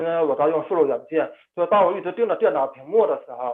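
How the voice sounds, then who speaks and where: At a fairly quick pace, a man talks in a high voice with lively intonation. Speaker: designer. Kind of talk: presentation. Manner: hesitant, many fillers.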